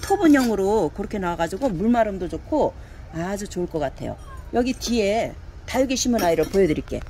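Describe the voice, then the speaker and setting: A woman selling handmade plant pots online chats casually while showing and measuring each one, coaxing viewers to order and filling her talk with pointing words. Her medium-pitched voice is very animated, brisk and dark-toned, with a little hiss or hum.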